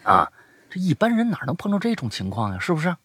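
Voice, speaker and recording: A man's voice: fairly high pitch, quick pace. A young adult man hosting a podcast, retelling listener stories in casual chat and dropping to a whisper for suspense. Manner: animated storytelling, drops to a whisper for suspense. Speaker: podcast host.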